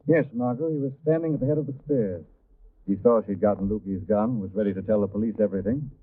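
An actor playing a calm, assured detective explaining a case in measured old radio drama style. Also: male voice, fairly low pitch, close to an everyday voice. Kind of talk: 1940s radio drama acting. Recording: tinny, narrow old radio recording.

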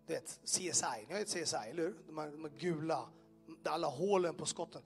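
High-voiced man telling a testimony. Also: soft background music. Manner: animated storytelling with sound effects and direct questions to listeners. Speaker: speaker giving a personal testimony. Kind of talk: testimony told to a live audience. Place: in front of an audience in a room.

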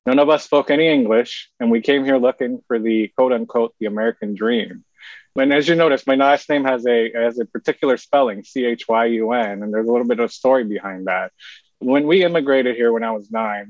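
A man from South Korea hosts a podcast with measured, polished delivery. His voice sits dry and close to the mic. The sound is a touch dull and lo-fi. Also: mid-range voice, darkish tone, no room sound. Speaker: podcast host. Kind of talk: scripted podcast intro and chat. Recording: slightly dull lo-fi audio.

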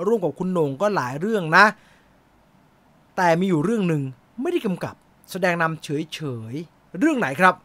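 A man's voice: sits high, fairly bright tone, dry recording. A man hosting a live movie quiz stream, announcing winners and teasing viewers in casual chat. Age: adult. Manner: playful, teasing, joking asides with laughter.

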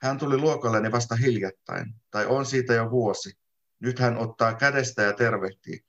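A man reading his own literary text aloud in a calm, measured first-person narration. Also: medium pitch. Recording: dull lo-fi sound.

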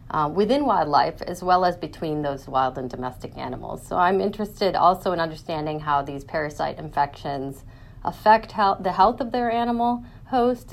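Very low-pitched woman explaining. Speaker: academic researcher, interview guest. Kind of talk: explanatory interview talk.

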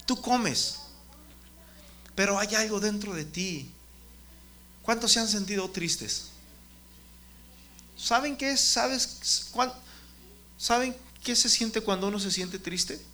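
A man's voice: sits high, lively intonation, takes it slowly, long pauses, bright, forceful tone. A man giving a children's sermon, often stopping to question the kids by name. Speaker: children's ministry preacher.

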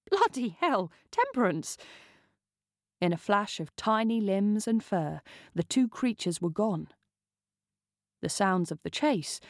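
Female narrator for a novel: measured, slow delivery, dry booth sound. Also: on the low side, darkish tone, no echo. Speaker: reader.

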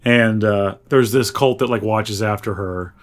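A man's voice: fairly low pitch, measured pace. A man co-hosting a podcast in casual chat, talking in a rambling, opinionated, conversational way. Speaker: podcast co-host.

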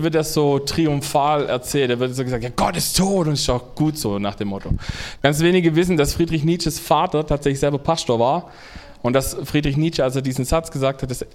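A man preaching a sermon to a congregation, earnest and halting, often restarting his phrases. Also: on the high side.

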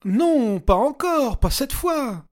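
A man's voice: very high voice, very animated, takes it slowly, voice pushed up, heavily acted. A man voicing a desperate, exhausted woman who sobs and screams in pleading rage. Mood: panicked. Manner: shrieking, tearful pleading. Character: desperate suicidal woman, worn out, sobbing.

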